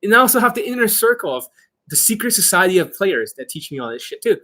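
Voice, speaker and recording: Man, somewhat high voice, husky and rough-edged, brash dating coach, informal monologue, boastful, emphatic. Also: sing-song, fast talker, pushed and bright. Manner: brash, boastful, heavy swearing; acts out mock exchanges, emphatic.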